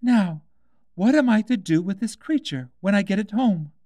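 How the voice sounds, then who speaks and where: A man's voice: high-pitched, lively intonation, moderate pace, dark tone, dry recording, clean studio sound, pitched above the performer's own voice. A man voicing a polite, curious young girl who speaks timidly and anxiously, in a storybook reading.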